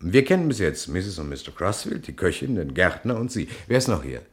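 An actor playing a courteous, wry police commissioner in a German radio crime drama, questioning deliberately with dry asides. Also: male voice, low voice, sing-song. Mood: courteous, probing.

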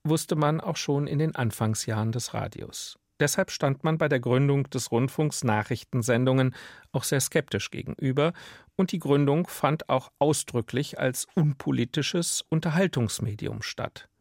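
A man's voice: medium pitch, normal speed, dry recording. Male interviewer: mid-range voice, formal scripted delivery, close dry acoustic. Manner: formal, long structured sentences.

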